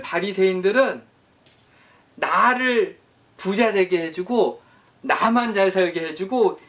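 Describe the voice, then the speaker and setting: A man pastor telling a Bible story in a sermon for elderly listeners, asking them questions as he goes. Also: high-pitched. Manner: lively, asks the listeners questions. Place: nursing home service.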